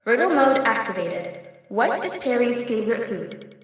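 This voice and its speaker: A woman playing a sassy, matter-of-fact female jinn and her deadpan security system in scripted audio fiction. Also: fairly high pitch, a little slow, very echoey. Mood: deadpan, officious.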